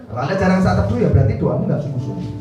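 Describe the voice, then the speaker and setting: A man preaching a sermon to a congregation, lively and direct, sometimes acting out quoted voices. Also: mid-range voice, rapid-fire. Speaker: pastor. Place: church hall. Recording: roomy church hall from a distance with music.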